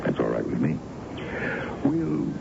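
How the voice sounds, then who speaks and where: A gallant older suitor, speaks in a gravelly, expressive voice, tender and teasing with a weary streak. The 1970s radio drama recording is dull and noisy. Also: male voice, very deep voice, a little slow, exaggerated voice. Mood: earnest, loving. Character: smitten older adventurer courting a young woman, gallant and world-weary.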